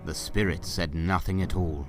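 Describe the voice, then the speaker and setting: A male narrator with a deep voice tells a scripted story in a dramatic style. Faint music plays behind him, as in an audio drama. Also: fairly even intonation, normal speed.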